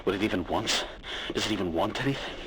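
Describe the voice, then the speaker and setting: A man playing a weary, frightened but stubborn survivor stranded on a spaceship, recording a halting, hushed audio log. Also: lowish voice, a little hiss or hum, close to an everyday voice, poor audio. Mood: brooding, weary. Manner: halting, hushed, breaking into whispers. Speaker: solo role-player playing a character. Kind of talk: in-character audio log narration.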